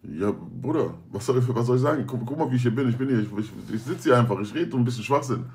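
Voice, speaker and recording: A man's voice: mid-range voice, lively intonation, quick pace, a little mellow. Young man, livestreamer, slangy joking chat, casual stream talk. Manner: slangy, joking, swears oaths often.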